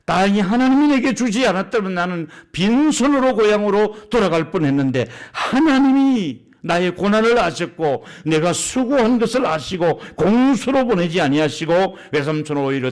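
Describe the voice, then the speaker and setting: A man's voice: sits high, expressive, moderate pace, hardly any pauses. A man acting out Jacob, a grown man protesting unfair treatment, in an indignant run of rhetorical questions.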